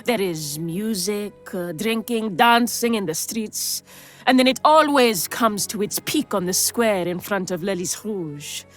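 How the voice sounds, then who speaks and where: A woman's voice: mid-range voice, lively intonation, measured pace, natural voice. Brothel madam, female actor, game role: sardonic, worldly, protective, theatrical delivery in a medium register over faint music. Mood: welcoming. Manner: theatrical, wry, coaxing. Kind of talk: scripted game dialogue.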